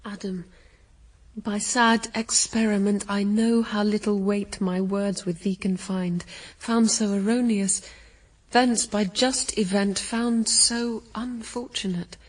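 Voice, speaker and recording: An actress playing a despairing, penitent wife, speaking formal verse with mournful passion in a classical radio drama. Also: female voice, medium pitch, steady tone, slow pace, far from the mic, rough recording. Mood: humble, sorrowful. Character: Eve, the first woman, despairing, penitent wife.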